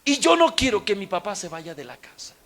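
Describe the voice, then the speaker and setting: A man's voice: sits high, big pitch swings, brisk, a bit bright, heavily acted. A man voicing a desperate teenage girl who pleads. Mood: pleading. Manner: pleading, emotional quoting.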